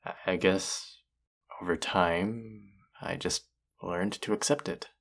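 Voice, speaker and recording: A man playing a low, gravelly, unhurried romantic rival chef. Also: fairly even intonation, fairly bright tone, heavily acted. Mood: flustered, earnest. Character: cocky, teasing male chef confessing love to his rival. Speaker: audio roleplay voice actor. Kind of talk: intimate romantic audio roleplay acting.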